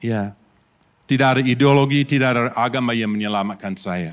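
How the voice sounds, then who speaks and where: A man talks at a moderate pace. The recording is very clean with a silent background. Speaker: pastor. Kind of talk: sermon. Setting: church. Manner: halting.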